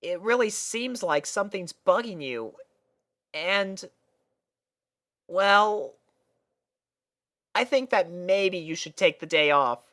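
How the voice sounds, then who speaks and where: A woman's voice: lowish voice, animated, takes it slowly, long pauses, a bit bright, voice pushed up. A woman voicing a brash, tomboyish young pegasus filly in a story reading, blunt and casual but loyal. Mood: guilty, concerned. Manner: blunt, exclamatory, casual slangy talk.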